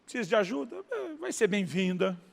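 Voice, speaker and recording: A Brazilian male pastor preaching with a fairly high voice. He tells his story with animated, acted-out dialogue. The sound carries a long reverb, as in a large hall. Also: brisk, gravelly, a little hiss or hum. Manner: animated storyteller, acting out dialogue, laughing at punchlines. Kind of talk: sermon storytelling.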